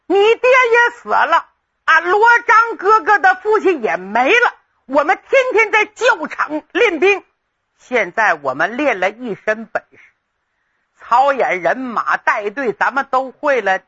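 A woman storyteller voicing an excitable teenage boy who lisps and stammers while egging his friend on. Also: sits high, measured pace, highs cut off, heavily acted. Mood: excited, urging. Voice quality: lisping, stammering.

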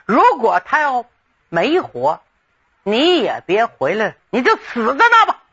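A harsh, haughty young crown prince who barks orders with scorn, as a storyteller puts him on. The tone is sharp and husky, with wide swings. It comes through a dull, lo-fi recording. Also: mid-range voice, huge pitch swings, measured pace, full character voice. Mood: commanding. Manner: scornful, commanding.

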